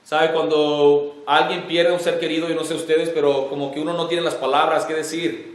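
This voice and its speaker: A man preaching a sermon as pastor, earnest and emotional, building to forceful emphasis. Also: fairly high pitch, level tone, moderate pace, roomy sound. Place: church sanctuary.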